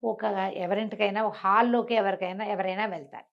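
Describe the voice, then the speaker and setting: A woman with a Telugu accent telling a folk tale in an animated, conversational way, posing questions and answering them herself as a storyteller. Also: medium pitch, a little fast, vocal fry, muffled recording.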